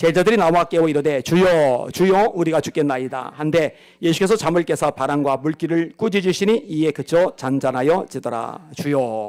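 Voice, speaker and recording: Ordinary pitch variation marks the talking, delivered at a fairly quick pace. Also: man. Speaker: pastor. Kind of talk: bible study lecture. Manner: fast.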